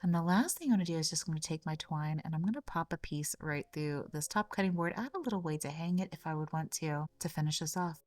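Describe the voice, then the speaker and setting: A woman hosting a craft tutorial, talking through each step in a chatty way, her voice slightly raspy and hoarse from a cold. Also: low-pitched, quick pace, few pauses, darkish tone, dry recording, soft background music. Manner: chatty, step-by-step, frequent small repeats. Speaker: craft channel host. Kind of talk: casual craft tutorial narration.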